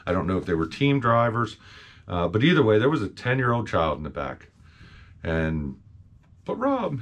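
A middle-aged man hosting a trucking channel, talking casually to camera from a small home office, rambling with many fillers and restarts. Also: on the low side.

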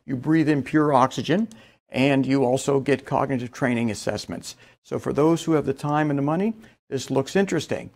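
A man's voice: mid-range voice, normal speed, darkish tone. A man giving a conference keynote lecture, explaining research with enthusiasm. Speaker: keynote speaker. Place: indoors, in front of a slide backdrop.

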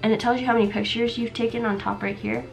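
Sick young woman with a gravelly voice. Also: fairly high pitch, fairly even intonation, quick pace, soft background music, low-quality recording. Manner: chatty, lots of fillers, showing items to camera. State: sick with a stuffy nose and losing her voice. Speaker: vlogger. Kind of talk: casual product unboxing vlog. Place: small bedroom with camera shelves, indoors.

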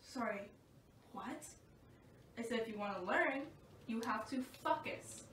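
Woman reading daughter lines n stage directions, high voice, echoey, off to the side. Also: expressive, measured pace, a bit bright. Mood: matter-of-fact. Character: young-adult daughter introducing boyfriend, plus stage directions. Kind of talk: off-camera script reading. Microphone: off camera, away from mic. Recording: echoey room, distant mic, faint noise.

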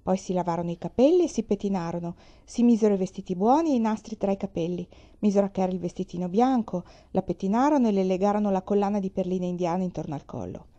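A woman reading a children's novel aloud with calm, measured storytelling. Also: medium pitch, dull audio.

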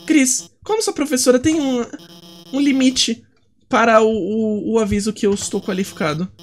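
A man doing a high, stammering nervous monster teacher. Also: normal speed, slight background noise. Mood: fretful. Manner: hesitant, stammering. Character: nervous female monster teacher, timid and fussy. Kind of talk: video game dialogue read aloud.

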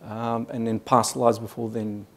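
A man's voice: medium pitch, little pitch movement, a little slow, slight background noise. A man in his forties with an Australian accent, giving a business talk at a conference with many fillers and restarts. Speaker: conference speaker. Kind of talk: business presentation. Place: conference hall stage.

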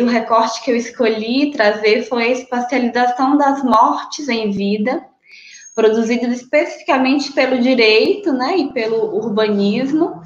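A young Brazilian woman speaking on a university panel from home over a video call, thoughtful and full of fillers and restarts. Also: a little high. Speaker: panelist, graduate researcher. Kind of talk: academic panel talk, casual. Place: small room at home, indoors. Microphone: laptop webcam on video call. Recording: echoey room, dull lo-fi video call audio.

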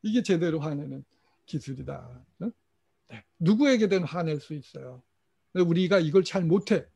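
A man's voice: a little high, expressive, moderate pace, vocal fry, dark tone, breathy edge. A middle-aged man giving a casual lecture to parents, telling family stories and acting out what people said. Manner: storytelling, mimics family members in quotes, chuckles. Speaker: lecturer at a parent training session. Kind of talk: casual lecture with acted quotes.

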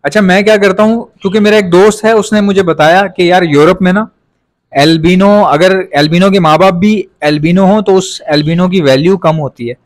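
A man's voice: high voice, a little fast, no echo. A man from Pakistan with a Pakistani Urdu accent, a pet breeder chatting casually in his vlog and repeating points for emphasis.

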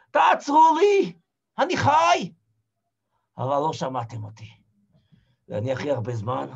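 A man's voice: high voice, creaky, heavily acted. A man playing a desperate old Hasid. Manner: swings from hushed murmurs to shouted cries. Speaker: storyteller actor. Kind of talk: dramatic first-person theatrical storytelling. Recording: dull lo-fi recording.

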